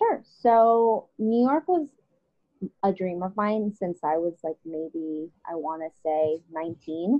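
In an American accent, a woman speaks at a medium pitch. Her intonation is lively and her pace is very slow. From South Florida. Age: 30s. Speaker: PR agency founder. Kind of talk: casual interview. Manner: animated.

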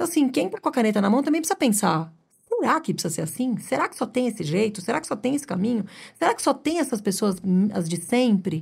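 A woman talks at a very fast pace in a fairly high, somewhat breathy voice with very wide pitch swings. The recording is very clean, with a silent background. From São Paulo, Brazil. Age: 40s. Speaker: entrepreneur and DJ. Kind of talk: casual chat.

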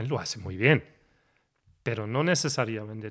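Here a man speaks with a German accent. The recording is very clean, with a silent background. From Germany, Hamburg. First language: German (speaking Spanish). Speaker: entrepreneur. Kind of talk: interview.

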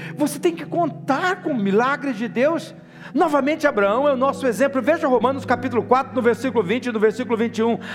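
Over noticeable background noise, a man with an extremely high pitch speaks at a fairly quick pace with lively intonation. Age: 60s. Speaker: pastor. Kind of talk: sermon.

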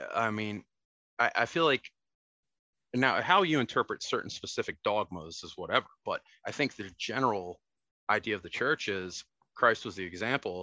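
Speaking at a moderate pace in an American accent, a man with a medium-pitched, bright, sharp tone uses lively intonation, big swings in loudness and long, frequent pauses, recorded with a dry, close sound with no echo against a quiet background. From Baltimore and south central Pennsylvania. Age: 40s. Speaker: musician. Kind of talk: casual chat.

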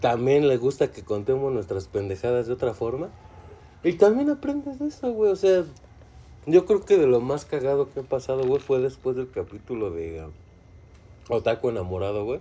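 At a moderate pace, a man with a Mexican accent talks at a medium pitch, his voice swinging very widely in pitch. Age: 20s. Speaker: podcast co-host. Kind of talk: casual chat.

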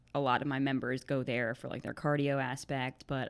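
In a very clean recording with a silent background, a woman talks in a very deep, low pitch and a monotone, flat intonation. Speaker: podcast co-host and business owner. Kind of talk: casual chat. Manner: fast talker.

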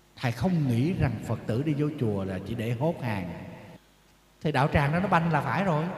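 A man at a fairly high pitch with very wide pitch swings and a moderate pace, amid noticeable background noise and audible room echo. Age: 40s. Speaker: Buddhist monk, dharma teacher. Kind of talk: dharma talk. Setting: temple retreat with audience. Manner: animated storytelling.

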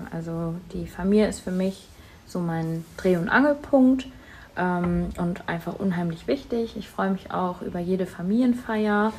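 A woman's somewhat breathy voice, fairly low in pitch, at a fairly slow pace. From Germany (Friesland area), Sri Lankan Tamil parents. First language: Tamil (speaking German). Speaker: school teacher. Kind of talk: interview. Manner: frequent filler sounds (ähm).

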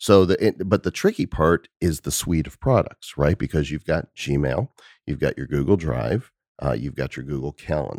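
Heard in a dry, close sound with no echo, a man with a very deep, low pitch and vocal fry talks at a moderate pace with ordinary pitch variation. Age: 50s. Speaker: podcast host. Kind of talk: casual interview. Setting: guest's home office.

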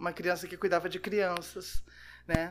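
The intonation here is flat and monotone. The speaker is a woman. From Brasília, Brazil. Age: 40s. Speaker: theater actress and clown. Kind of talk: casual interview.

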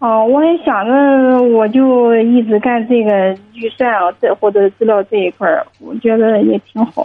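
In an unremarkable speaking voice, a woman talks at a fairly slow pace with hardly any pauses, her fairly high pitch showing ordinary variation. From Shanxi. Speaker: caller. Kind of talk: phone-in conversation.

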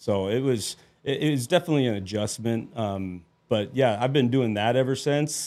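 A man talks in an ordinary speaking voice at medium pitch, with ordinary pitch variation and a moderate pace. The recording is very clean, with a silent background. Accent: American. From Arizona (Coolidge, Gilbert). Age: 40s. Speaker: real estate investor and builder. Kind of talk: casual chat.

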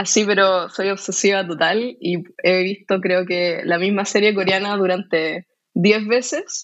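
This woman's voice is medium in pitch. She speaks at a fairly slow pace. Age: 30s. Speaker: visual translator and illustrator, business owner. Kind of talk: casual interview conversation. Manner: animated.

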